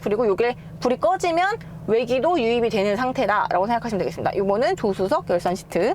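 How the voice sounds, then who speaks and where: Against noticeable background noise, the words rush out at a very fast pace. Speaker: car reviewer. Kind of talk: tutorial.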